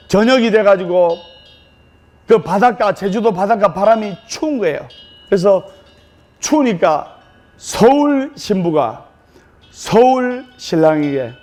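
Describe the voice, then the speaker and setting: A man, a Buddhist monk with a Gyeongsang accent, telling jokes in a dharma talk with slow, deliberate pauses. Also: high voice, darkish tone. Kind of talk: humorous dharma talk to an audience.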